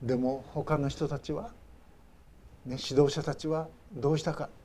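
Preaching a Sunday sermon as a story, a male pastor acts out the cries of the people he describes, then drops into soft, low asides as phrases end. His tone is steady and slightly rough, his pace a little slow.

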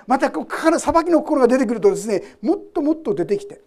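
A woman pastor giving a sermon with a warm, mellow tone and a slightly high voice. Her pitch rises and falls a lot. She reads a passage of scripture and then unpacks it for the congregation, asking them questions as she goes. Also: big pitch swings, fast. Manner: conversational, addresses the congregation directly with questions.

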